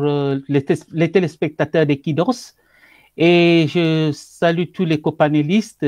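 High-voiced man, emphatic. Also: a little mellow, no echo. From Cameroon. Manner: emphatic, repetitive, halting restarts. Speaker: guest by video link. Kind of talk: passionate political commentary. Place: indoor room with wood wall. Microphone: earphone headset on video call.

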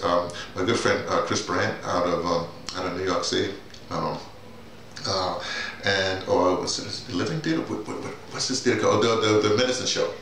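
A man in his sixties talking casually and haltingly to camera, repeating words and wandering off on asides. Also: deep voice, creaky, a bit bright. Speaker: playwright and audio drama teacher. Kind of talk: casual rambling monologue to camera. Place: small bare-walled room indoors. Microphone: camera mic a few feet away. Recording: very echoey room, distant mic, faint hiss.

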